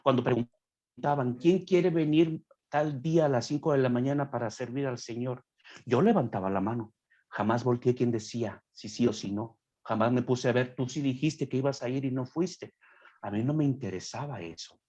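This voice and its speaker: A young man with a husky, slightly breathy voice talks in a podcast conversation. He preaches with earnest conviction and often drops into quoted asides, acting out what other people say. His pitch sits in a middle range. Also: normal speed, mellow, lo-fi sound. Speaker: guest speaker.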